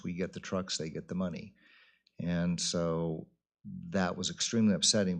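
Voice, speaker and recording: A man speaking as mayor at a city council meeting, giving informal remarks in a plain-spoken, deliberate way. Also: sits low.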